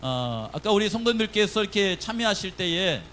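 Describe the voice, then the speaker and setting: Male pastor, fairly high-pitched, giving a chatty, question-filled sermon in a church with faint background noise. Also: big pitch swings, brisk, a bit bright, rough recording. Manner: conversational, asks the congregation questions. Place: church sanctuary.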